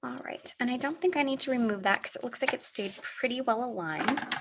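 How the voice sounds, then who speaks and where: A woman's voice: on the high side, a little fast, fairly bright tone. A middle-aged woman hosting a live card-making demo, friendly and chatty, a little sniffly, answering viewers as she works. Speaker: craft livestream host.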